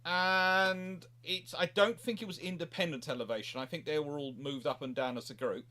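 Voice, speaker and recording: A man's voice: on the high side, fairly even intonation, normal speed, sharp tone. A man hosting a history question-and-answer chat, explaining in a rambling way and often correcting himself mid-sentence. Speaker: livestream host.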